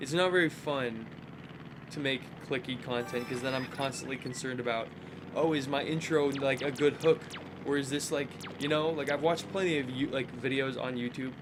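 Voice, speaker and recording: Noticeable background noise sits behind a man's fairly high voice. He moves at a fairly quick pace with fairly even intonation. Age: 20s. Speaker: gaming streamer. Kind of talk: casual chat. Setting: live stream. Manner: fast.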